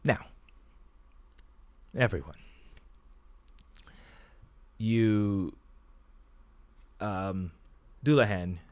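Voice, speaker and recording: Low-voiced game master, dry and close. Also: male voice, drawn-out words, long pauses, darkish tone, no room sound. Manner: rambling, filler-heavy narration. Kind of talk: narrating a tabletop game.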